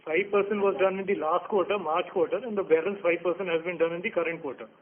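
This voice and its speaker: A man's voice: high voice, steady tone, quick pace. A man, a company executive, answering an analyst on an earnings call and firmly correcting figures. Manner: firm, corrective with numbers. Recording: phone line audio.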